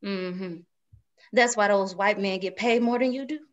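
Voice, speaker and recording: A woman's voice: medium pitch, measured pace, highs cut off, close to an everyday voice. A woman reading the part of a worried, stubborn pregnant wife in her thirties, scolding in rural Southern speech in a drama table read. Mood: distrustful, scolding.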